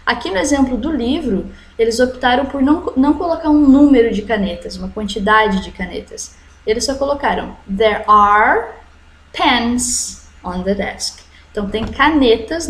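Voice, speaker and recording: A woman teacher with a Brazilian accent giving an online English lesson to children, switching between explanation and slowly drawn-out model sentences. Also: on the high side, a little hiss or hum. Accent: Brazilian Portuguese. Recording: echoey room.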